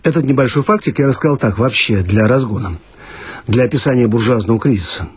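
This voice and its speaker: A fast-talking man with a husky, mid-range voice reads humorous first-person radio stories with ironic mock-earnestness. The recording is dry, archival radio with guitar music in the background.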